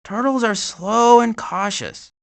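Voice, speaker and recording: A man voicing a cautious, exasperated turtle in an animated video game, fretful and given to wry grumbling. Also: high-pitched, slow, creaky, full character voice. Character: anxious, cautious male cartoon turtle, exasperated worrier.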